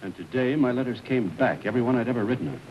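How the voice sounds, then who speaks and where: An actor playing a weary, lovesick army officer who speaks curtly and with restraint, in 1930s film style. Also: male voice, expressive, very fast, over music, close to an everyday voice. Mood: worried. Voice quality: curt, low and restrained. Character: weary lovesick male officer, curt and brooding. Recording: muffled old film soundtrack with hiss.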